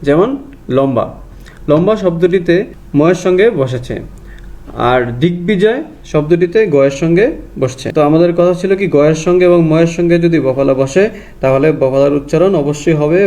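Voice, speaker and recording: A man with a Bangladeshi Bengali accent teaching a grammar lesson to students, going through each rule methodically and repeating it slowly. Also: on the high side, mellow.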